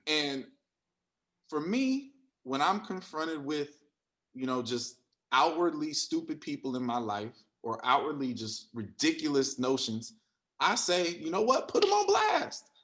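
A man's voice: fairly high pitch, expressive, measured pace, a bit bright. A man giving opinionated, casual sports commentary in a blunt, exasperated way, with short emphatic phrases. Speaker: sports talk panelist.

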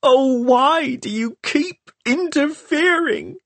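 A male audiobook reader voicing a furious, grieving teenage girl in a high, strained shout. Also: lively intonation, extremely slow, dry recording, full character voice. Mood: furious, anguished. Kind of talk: audiobook character voice.

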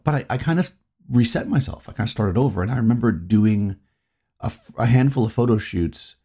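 A man's voice: mid-range voice, animated, a little fast, dark tone, breathy edge. A middle-aged man from New England, hosting his own podcast and talking in a reflective, rambling way that circles back on itself. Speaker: podcast host. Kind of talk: reflective solo podcast talk.

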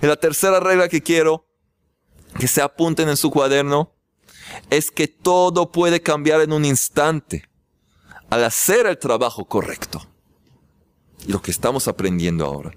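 A man teaching a spiritual class, telling stories and acting out shouted scenes, repeating key phrases for emphasis. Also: fairly high pitch, unhurried, long pauses, clear, resonant tone, no room sound. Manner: animated storytelling, acts out shouted scenes. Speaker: religious teacher.

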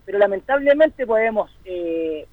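A man's voice: high-pitched, expressive, moderate pace, no echo. A man on a sports panel, talking with many fillers and restarts. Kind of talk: sports talk debate. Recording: tinny phone-line sound.

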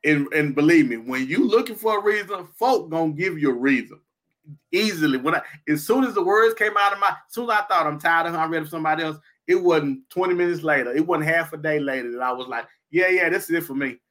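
A man's voice: on the high side, fast, fairly bright tone. A man in his fifties co-hosting a casual chat show, talking emphatically and repeating his points like a sermon. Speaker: podcast co-host.

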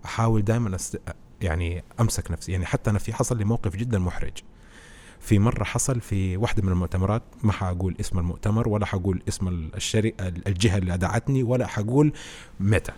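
A man, a podcast guest who explains presenting skills through animated stories in casual conversation. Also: on the low side, very fast. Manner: animated storytelling, explains with anecdotes.

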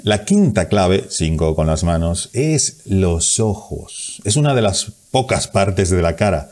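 Deep mellow-voiced man giving speaking tips. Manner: energetic, acts out examples with hands; stresses consonants, slows down to demonstrate. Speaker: communication coach. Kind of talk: tips video to camera.

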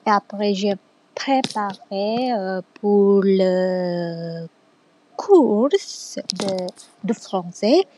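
A young woman, not a native speaker, talks through a homework podcast in a hesitant, halting way. She speaks very slowly, and her voice is mellow and dark rather than bright. Fillers and restarts break up nearly every sentence. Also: mid-range voice, expressive, a little hiss or hum. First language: not French. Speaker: student making a class podcast. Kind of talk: casual monologue.

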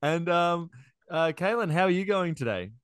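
A man's voice: sits high, expressive, moderate pace, a bit bright, clear, resonant tone, dry recording, clean studio sound. A man hosting a podcast, friendly and enthusiastic, with the odd filler. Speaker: podcast host.

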